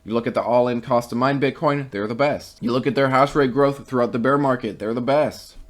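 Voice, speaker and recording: A man's voice: mid-range voice, brisk. A man who is losing his voice talks casually through stock charts and market news for his viewers, reading out a company statement and then giving his own opinions. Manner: conversational, reads quotes then gives opinions.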